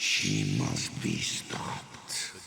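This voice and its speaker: Using a put-on character voice, a man growls amid clear background noise and a clear echo. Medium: game stream. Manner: insidious, whispering.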